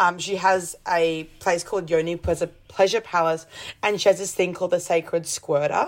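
This woman speaks with an Australian accent at a fairly low pitch. Her intonation is monotone and flat. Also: moderate pace. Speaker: reality TV personality. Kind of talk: casual chat. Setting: hotel room. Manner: dry, sarcastic tone.

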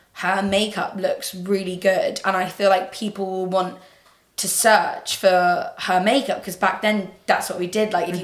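Audible room echo surrounds a woman's voice. She talks at a fairly quick pace in a monotone, flat intonation. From southern England. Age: 20s. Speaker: YouTuber and beauty content creator. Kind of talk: casual interview chat.

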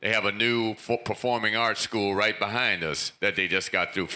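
A man talks in a bright, sharp tone. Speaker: chamber of commerce head. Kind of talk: short speech to a live audience. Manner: engaging the crowd.

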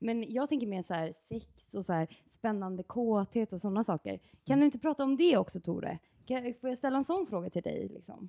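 A woman's fairly high voice with a dark, mellow tone moves at a fairly quick pace, with very wide pitch swings and big swings in loudness, in a dry, close sound with no echo. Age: 30s. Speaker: podcast co-host. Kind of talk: casual chat.

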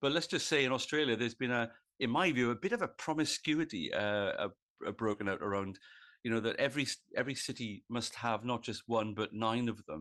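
Over a quiet background, a man with a Welsh accent talks at a fairly quick pace with lively intonation. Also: medium pitch for a man. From Wales. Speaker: podcast host, urban policy practice lead. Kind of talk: interview conversation. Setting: remote call. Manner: hesitant, many fillers.

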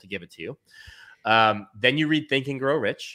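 A man speaks at a fairly quick pace with ordinary pitch variation. His tone is bright and sharp, and the sound is dry and close with no echo. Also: very clean recording, silent background. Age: 30s. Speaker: business coach and former door-to-door salesman. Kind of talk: interview.

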